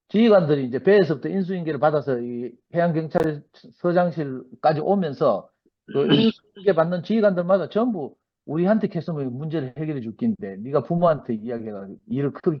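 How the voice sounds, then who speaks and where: A middle-aged man with a Gyeongsang Korean accent gives a personal testimony at a church meeting. He tells his story in an animated way and acts out the dialogue. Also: on the high side. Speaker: church member giving testimony. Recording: dull lo-fi recording.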